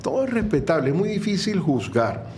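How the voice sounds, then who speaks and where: A man's voice: on the high side, very animated, fairly quick, darkish tone, a little hiss or hum. A middle-aged man with a Venezuelan accent, a guest speaking earnestly and reflectively in a conversational interview, with many fillers and restarts. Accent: Venezuelan Spanish.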